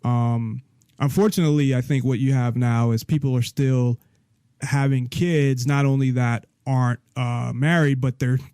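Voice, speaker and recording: A man's voice: medium pitch, steady tone, normal speed, clear, resonant tone, no room sound. Rambling male podcast host, dry sound. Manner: rambling, with many restarts and soft laughs. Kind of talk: casual interview chat.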